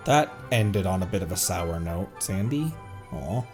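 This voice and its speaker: A man's voice: low voice, expressive, unhurried, music in the background. A man streaming a game with casual, playful commentary, often stammering and repeating his words as he reacts.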